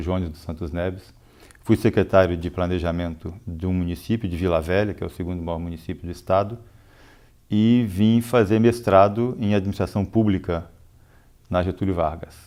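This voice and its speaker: A man's very deep, low voice, dark and mellow, calm in tone, at a moderate pace with fairly even intonation. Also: very clean recording, silent background. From Brazil, Espírito Santo. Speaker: municipal finance secretary. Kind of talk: interview.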